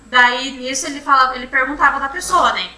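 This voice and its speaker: A young woman giving courtroom testimony, retelling events in a halting, repetitive way. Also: high voice, pushed and bright. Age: young adult. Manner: halting, repetitive retelling, often restarting with "then". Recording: roomy courtroom from far off, faint hum.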